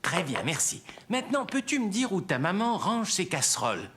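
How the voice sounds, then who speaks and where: An actor playing a kindly, obliging grown man, a neighbour who babysits, genial and gently expressive in a children's cartoon. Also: medium pitch, moderate pace, noisy background, lightly acted. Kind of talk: French children's cartoon dialogue. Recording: music behind.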